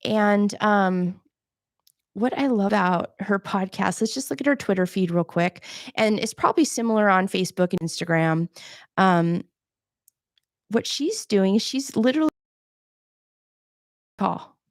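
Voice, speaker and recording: A soft-voiced woman hosting a live podcasting Q&A, chatting casually while she shows gear on camera. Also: mid-range voice, a little slow, long pauses, no room sound, studio quality. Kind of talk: casual live-stream tutorial.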